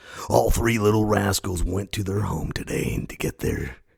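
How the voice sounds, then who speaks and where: A man puts on a character voice that is raspy and fairly low in pitch. His pace is moderate, and his pitch varies in an ordinary way. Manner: silly, exaggerated.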